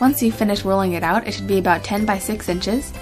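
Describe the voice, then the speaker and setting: A woman talks at a very fast pace while music plays in the background. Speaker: baking video host. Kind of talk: recipe tutorial voiceover. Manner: casual, friendly.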